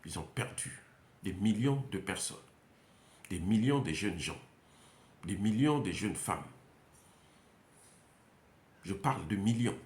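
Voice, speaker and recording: Male, Central African French accent, emphatic and repetitive, lively pitch, echoey room. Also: takes it slowly, pauses often. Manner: emphatic, repetitive, many hesitations. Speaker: commentator. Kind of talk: unscripted monologue. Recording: roomy echo.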